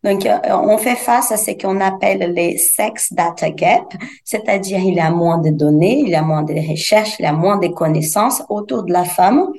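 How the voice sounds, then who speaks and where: A woman's voice: medium pitch, normal speed, a little mellow. A woman from Brazil, a researcher and guest, explaining carefully with hesitant restarts. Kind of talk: podcast interview answers.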